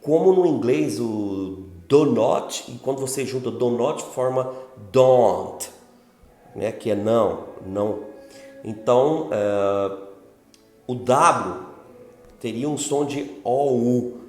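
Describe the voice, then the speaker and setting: A man's voice: mid-range voice, measured pace, dark tone, soft background music. A man giving an informal religious teaching talk, speaking conversationally and often checking in with the listener. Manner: conversational, frequent filler tags like "né" and "ok". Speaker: religious channel host. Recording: roomy echo.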